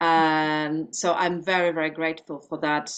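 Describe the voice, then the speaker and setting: Against a quiet background, a woman with a Polish accent speaks at a very deep, low pitch. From Poland. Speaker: singer-songwriter and dance teacher. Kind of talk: podcast interview.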